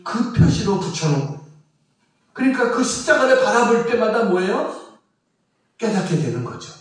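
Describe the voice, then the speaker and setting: Male pastor with a high voice, telling a sermon story with emotional swells, recorded far off in a reverberant church. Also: big pitch swings, moderate pace. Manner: storytelling, emotional emphasis, quiet drops in voice for quotes. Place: church sanctuary.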